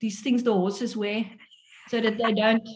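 A woman's voice: fairly high pitch, little pitch movement, measured pace, a little mellow. A woman in her forties with a South African accent and Afrikaans as her first language, telling her own story earnestly and expressively as an interview guest. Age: 40s. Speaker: guest, author and parenting workshop presenter.

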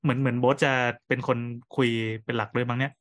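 Fast-talking joking male podcast host. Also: medium pitch, flat delivery. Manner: joking, rough slangy banter. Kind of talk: casual chat among friends.

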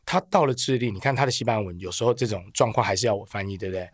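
A man's voice: lowish voice, rapid-fire, husky, no room sound. A man with a Taiwanese accent speaking as a podcast guest, telling stories casually in a colloquial, self-deprecating way. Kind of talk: casual conversational storytelling.

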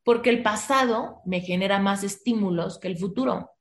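A woman's voice: medium pitch, moderate pace. A Mexican woman giving emotional advice in a frank, emphatic way, swearing casually as she talks. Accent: Mexican Spanish. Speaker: author and advisor. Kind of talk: conversational advice. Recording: roomy echo.

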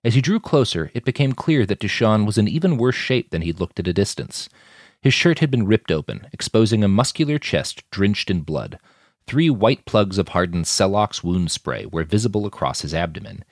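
A man narrating a story in scripted audiobook style, his voice low but moving widely in pitch. The sound is close and dry, with no room around it. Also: very animated, moderate pace, no room sound.

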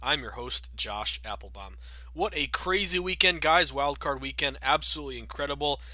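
A man in his thirties hosting a sports betting podcast, chatty and upbeat with many fillers, sounding a bit raspy from a cold. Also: mid-range voice, moderate pace, bright, forceful tone, dry recording. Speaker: podcast host.

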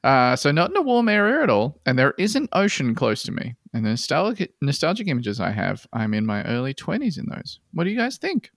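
A man co-hosting a comedy podcast, reading out listener posts and adding deadpan jokes. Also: medium pitch, fairly quick, few pauses, no echo, studio quality. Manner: jokey, deadpan asides, frequent laughs. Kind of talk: casual comedic podcast chat.

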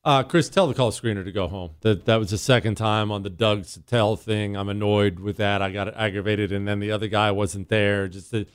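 A man hosting a call-in radio talk show, sarcastic and combative, mocking in a high voice then dropping low. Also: steady tone, brisk, hardly any pauses, smooth, dry recording, studio quality.

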